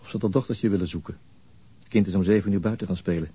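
A brooding man telling a radio crime story as inner monologue. His voice is very low and soft-edged, heavily husky and breathy. He sounds weary and haunted, lingering over short phrases. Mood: somber, bitter. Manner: slow, introspective, halting monologue. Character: brooding, weary male narrator haunted by a murder.

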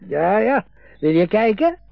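A man's voice: high voice, creaky, full character voice. A man acting in a radio drama, playing a chatty, eager middle-aged father proudly showing off his home. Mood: jovial, eager. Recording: muffled radio play recording, faint music.

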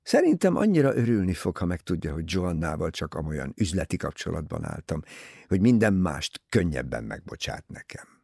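A man reads an impulsive, self-mocking young man in an audiobook. His low, husky voice swings widely in pitch with restless energy, dry and close to the mic. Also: very animated, darkish tone, dry recording, full character voice. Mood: heated.

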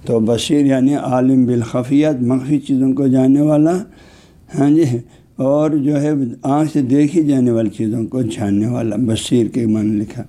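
A male Islamic scholar giving a religious lecture, explaining terms word by word with frequent filler phrases and reading Arabic passages slowly. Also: mid-range voice, flat delivery, mellow.

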